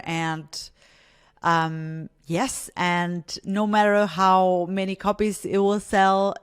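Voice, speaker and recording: A woman whose first language is Spanish, hosting a solo podcast in an earnest, encouraging way with frequent restarts. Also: fairly low pitch. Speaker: podcast host.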